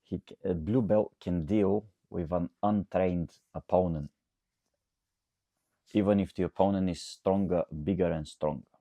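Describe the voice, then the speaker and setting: A man with a Bulgarian accent and a very deep, gravelly voice, recorded dry and close. He talks off the cuff like a coach hosting a question session, rambling and checking that listeners follow. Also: steady tone, unhurried, warm tone, no echo, dull audio. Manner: rambling, checks understanding with frequent "okay?". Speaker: coach and host answering audience questions. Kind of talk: casual unscripted talk to camera.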